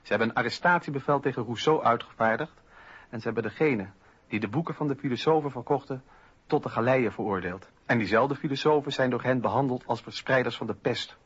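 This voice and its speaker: A passionate young philosopher with a husky, mid-pitched voice. He delivers a letter monologue earnestly and articulately. It is a slightly muffled radio drama recording. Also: a little fast, a bit bright. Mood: indignant. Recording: dull lo-fi old radio recording.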